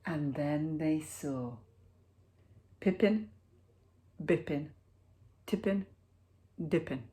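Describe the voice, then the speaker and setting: A woman teacher reading a picture book aloud to children, with expressive, deliberate storytelling and dramatic pauses. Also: low voice.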